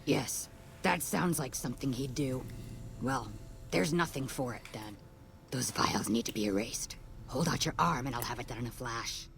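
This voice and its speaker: Dry ghoul scientist. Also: female voice, a bass voice, normal speed, creaky, slight background noise. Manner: dry, matter-of-fact. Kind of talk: video game dialogue.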